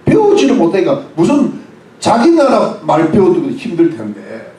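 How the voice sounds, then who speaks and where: Animated Korean pastor preaching in echoey church. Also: male voice, high voice, moderate pace, far from the mic. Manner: explains word by word, mixing English phrases; asks the congregation questions. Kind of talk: sermon.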